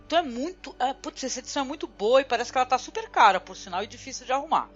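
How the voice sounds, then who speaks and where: With a high, expressive voice that races along, this Brazilian woman hosts a relaxed podcast chat full of constant tag words, especially "né." The recording is dull and lo-fi, with faint music.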